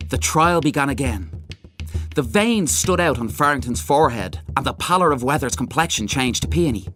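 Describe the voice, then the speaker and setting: A man narrating literary fiction as an audiobook reader, with dramatic, measured storytelling. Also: medium pitch, expressive, fairly bright tone, faint music behind. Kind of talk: expressive scripted literary narration.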